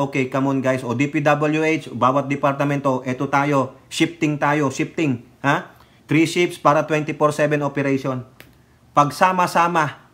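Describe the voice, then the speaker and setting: A man with a Filipino accent giving political commentary on a vlog, emphatic and scolding, switching between Tagalog and English. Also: medium pitch. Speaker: political vlogger.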